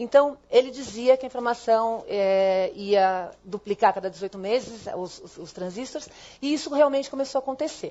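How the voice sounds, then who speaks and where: A woman talks at a high pitch with lively intonation and hardly any pauses. Her loudness swings widely. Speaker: lecturer on digital technology. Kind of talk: lecture. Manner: fast.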